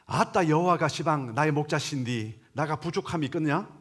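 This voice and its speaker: A man voicing a boisterous rustic man who recites a psalm in a thick Jeolla dialect, loud and exclamatory. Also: fairly high pitch, brisk, natural voice. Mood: exuberant.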